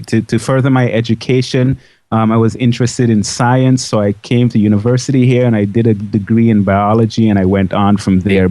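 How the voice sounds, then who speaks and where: A man's voice: fairly low pitch, a little mellow, no echo. A man from the Dutch side of a Caribbean island, schooled in Dutch, telling his story as an enthusiastic, chatty interview guest. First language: Dutch-schooled, fluent English. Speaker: interview guest, biology educator.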